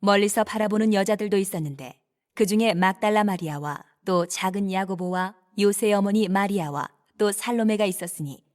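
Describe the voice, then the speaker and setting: A woman narrating scripture from a script in a measured, clearly enunciated reading style. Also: mid-range voice, a little mellow.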